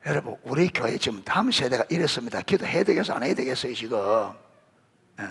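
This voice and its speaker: Quizzing his congregation and picking out children by name, a middle-aged male pastor preaches quickly in a gravelly, husky mid-range voice. His delivery is animated, building emphasis on scripture.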